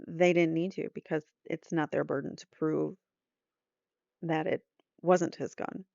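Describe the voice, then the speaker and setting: Creaky-voiced woman recapping a trial. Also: deep voice, little pitch movement, a little slow, a little mellow, no room sound, dull audio. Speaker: host reading and commenting on trial updates. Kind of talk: live trial recap, reading posts aloud with casual asides.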